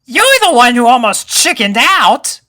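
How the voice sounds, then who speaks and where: A man's voice: very high voice, big pitch swings, measured pace, sharp tone, voice pushed up, heavily acted. A man voicing a touchy, defensive young colt pony in a storybook reading, with an indignant, boyish, slangy delivery.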